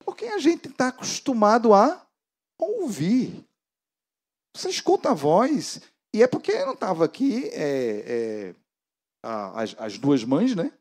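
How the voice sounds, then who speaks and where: A Brazilian man preaching a sermon as pastor to a church gathering, emphatic and swinging between loud exhortation and hushed prayer. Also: high-pitched, huge pitch swings, slow pace.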